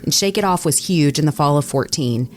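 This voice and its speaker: A woman's voice: sits low, expressive, brisk, a little hiss or hum. An American woman telling stories casually as a podcast co-host. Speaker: podcast co-host and radio personality. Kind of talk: casual chat, anecdotal storytelling.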